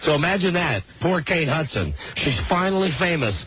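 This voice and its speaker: A man's voice: a little high, very animated, normal speed, fairly bright tone, husky, no echo, low-quality recording. A man hosting a radio talk show, telling stories in a casual, gossipy, mocking way.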